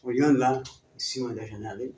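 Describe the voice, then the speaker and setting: A man teaching a church class, telling a story in a casual, halting way with many repetitions. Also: medium pitch, fairly even intonation, warm tone. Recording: roomy sound, distant mic.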